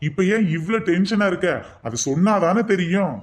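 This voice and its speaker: A man's voice: high-pitched, normal speed, lightly acted. A man doing a teasing, stingy cartoon husband. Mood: bickering. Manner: teasing, bickering. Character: grumbling, stingy middle-aged husband. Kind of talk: cartoon comedy voice acting.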